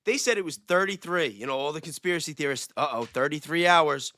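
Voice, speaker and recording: A man with a high, bright voice in a dry close recording. He talks casually as a livestream panelist, with a sarcastic, swearing manner. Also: lively intonation, brisk, dry recording. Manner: sarcastic, profane. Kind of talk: casual animated conspiracy discussion.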